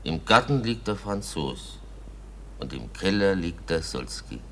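An actor playing a blunt, contrary village farmer who argues emphatically in a radio play. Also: male voice, low voice, sing-song, unhurried, creaky, fairly bright tone, a little hiss or hum, heavily acted. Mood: argumentative. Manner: emphatic, argumentative. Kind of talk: German radio play acting.

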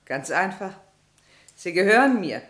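A society lady under questioning in a radio mystery. Her low, animated voice stays poised and haughty, each answer clipped and coolly ironic. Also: measured pace. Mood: cool, defiant. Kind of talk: German radio crime play acting.

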